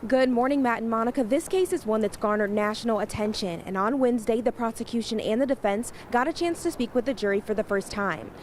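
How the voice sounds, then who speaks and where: A woman's voice: fairly high pitch, quick pace, few pauses. A woman TV news reporter delivering a scripted live report from the field. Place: live remote at a courthouse. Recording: clear background noise, live on location.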